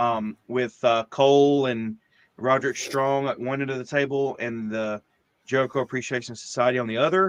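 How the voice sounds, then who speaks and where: With an American accent, a man speaks in fairly even intonation over a quiet background. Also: medium pitch for a man, moderate pace, dry, close sound with no echo. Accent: Texas accent, people remark on it. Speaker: wrestling podcast co-host. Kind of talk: casual chat.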